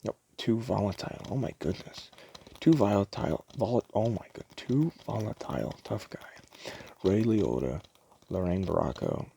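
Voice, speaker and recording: A man doing a casual, rambling ASMR roleplay, talking hesitantly and stumbling as he reads things out, in a very deep, gravelly voice. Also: expressive, moderate pace, dark tone, a little hiss or hum. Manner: casual, hesitant, stumbles over words and self-corrects. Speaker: ASMR roleplay performer playing a DVD store clerk.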